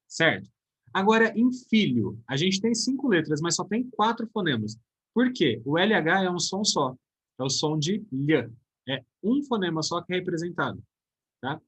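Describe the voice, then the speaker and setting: A man's voice: fairly high pitch, slightly rough. A Brazilian man with a Brazilian Portuguese accent teaching a recorded grammar lesson in a casual, chatty way, often checking in with his students.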